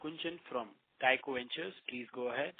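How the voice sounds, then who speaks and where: A man gives formal, scripted announcements as a conference call operator. His pitch is average. The phone line is narrow and noticeably noisy. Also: normal speed.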